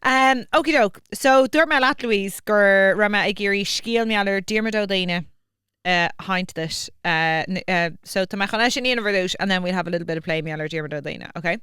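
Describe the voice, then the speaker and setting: Smooth-voiced woman chatting. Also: medium pitch, brisk, a bit bright, no echo, studio quality. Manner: rambling, teasing, laughing. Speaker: podcast co-host. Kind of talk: casual bilingual chat.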